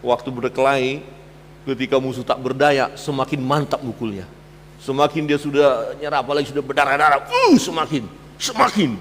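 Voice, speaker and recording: A man preaching a sermon as pastor, swinging between loud emphatic peaks and low quiet asides. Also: animated, fairly quick, big-room sound, slight background noise. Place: church hall.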